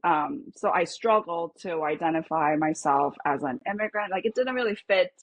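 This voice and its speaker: A woman psychologist, a native Korean speaker, talks things over in a reflective, hesitant way, full of fillers and restarts. Her voice is husky and fairly low. The sound is dry and close. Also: animated, normal speed, no echo. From South Korea. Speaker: psychologist guest. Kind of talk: podcast interview.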